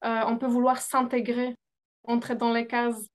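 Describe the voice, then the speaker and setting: A young woman talking as a guest in a conversational interview, searching for her words with many pauses and fillers. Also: fairly high pitch, completely flat delivery.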